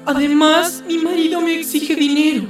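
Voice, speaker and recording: An anguished young trans woman acted by a woman in a radio drama. Her plaintive voice is high and sounds echoey and distant, over faint music. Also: flat delivery, moderate pace, natural voice.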